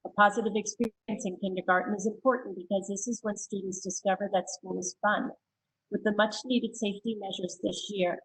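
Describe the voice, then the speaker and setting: A woman reading written public comments aloud at a school board meeting, steady and plain, with a few hesitant asides. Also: mid-range voice, slightly rough, low-quality recording.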